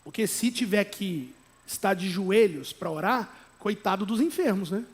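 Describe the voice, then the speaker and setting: A Brazilian man preaching a sermon as pastor, emphatic, with conversational asides and tag questions, at times rising to loud exhortation. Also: high-pitched, animated, normal speed, slightly rough. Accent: Brazilian Portuguese.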